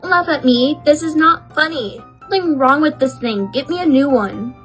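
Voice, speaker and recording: A woman playing a snooty, short-tempered schoolgirl bully with a bossy, mocking manner in an animated roleplay story. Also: sits high, normal speed, faint music behind. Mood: angry.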